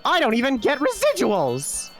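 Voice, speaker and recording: Game villain: pompous, aggrieved theater director played by a man, declamatory overacted death-scene delivery, very animated pitch. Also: moderate pace, faint music behind, exaggerated voice. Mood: aggrieved, boastful.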